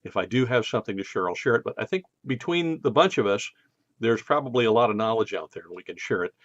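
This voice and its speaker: This fast-talking, animated American man has a fairly low voice and hosts a podcast in a casual monologue. His left side of the face is numb from a dental visit, making his speech slightly slurred. Dull audio, no echo.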